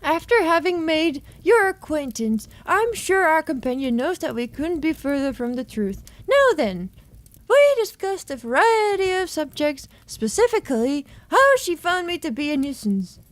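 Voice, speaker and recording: A woman voicing a prim, long-suffering young gentlewoman who recounts her story in formal, measured visual novel narration. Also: high-pitched, sing-song. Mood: prim, reproachful.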